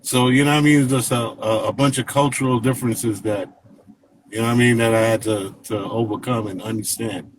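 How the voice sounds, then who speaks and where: A man in his fifties from Jamaica, telling stories as an interview guest in a relaxed, rambling way, full of fillers. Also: medium pitch, fairly quick, low-quality recording. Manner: relaxed, rambling, many fillers and "you know what I mean". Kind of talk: casual interview storytelling.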